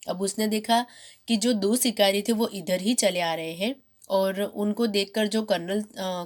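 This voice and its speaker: Woman teacher patiently retelling a story. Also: mid-range voice. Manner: reads each sentence, then repeats and paraphrases it. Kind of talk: reading and explaining a textbook story.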